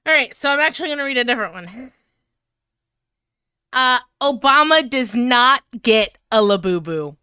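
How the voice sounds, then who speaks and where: A woman with a bright, fairly high voice reads fanfiction on a stream in a clean, dry sound. Her pitch moves around a lot, and she comes across as giggly and easily flustered. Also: lively intonation, moderate pace, smooth, no room sound. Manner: giggly, flustered, breaking up while reading. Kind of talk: live fanfiction reading with casual chat.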